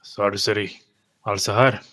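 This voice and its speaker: A man's voice: on the low side, steady tone, a little slow, bright, forceful tone. A man taking part in a tabletop roleplay game as one of the players.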